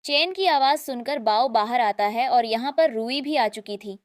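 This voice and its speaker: A woman narrating a drama recap in a brisk storytelling manner, reading the characters' lines plainly. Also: on the high side, no room sound.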